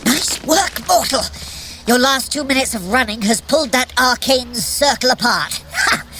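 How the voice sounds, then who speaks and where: Over a clearly audible bed of ambience comes a cocky captive trickster god in an audio drama. The voice sits on the low side for a woman and swings widely in pitch. The delivery is sly, playful and coaxing, with a teasing theatrical wryness. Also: fairly bright tone, a little hiss or hum. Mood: gleeful triumph. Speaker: voice actor in a fitness audio drama. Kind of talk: audio drama acting, guiding a runner.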